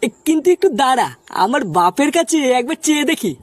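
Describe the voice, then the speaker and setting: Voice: sits high, animated, quick pace, no room sound. A performer voicing an easygoing, practical young village man in a comic cartoon, colloquial and doubtful. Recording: background noise with chirping birds.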